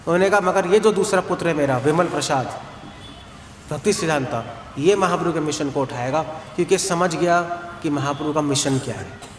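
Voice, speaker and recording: A monk speaks steadily to a gathering, explaining things patiently with stray English words. His fairly high voice rings out in an echoey outdoor space with a long reverb tail and a faint hum of surroundings behind it. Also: normal speed. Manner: calm, explanatory, mixes English words into Hindi. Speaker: monk and spiritual teacher. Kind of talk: devotional talk to a gathering.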